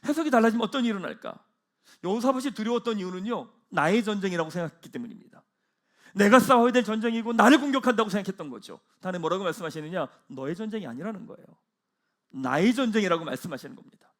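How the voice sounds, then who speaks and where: Guy pastor preaching sunday service, high lively voice, goes big then drops real quiet. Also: fast. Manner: swings from loud proclamation to hushed, low asides. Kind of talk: sermon. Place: church sanctuary.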